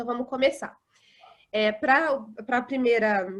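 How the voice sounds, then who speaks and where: A woman speaks at a moderate pace. Her voice is high-pitched. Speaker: English teacher. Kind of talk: online class.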